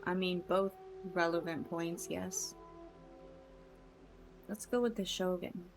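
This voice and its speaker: A woman's voice: on the low side, steady tone, slow, creaky, music in the background, low-quality recording. A woman streaming a game, reacting casually and reading out choices.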